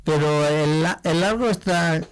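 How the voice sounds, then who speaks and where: A man from La Mancha, a chef, chatting in an interview in an animated way and laughing easily. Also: a little high, measured pace, clean tone, poor audio. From La Mancha, Spain. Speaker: chef, guest. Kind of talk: casual interview talk.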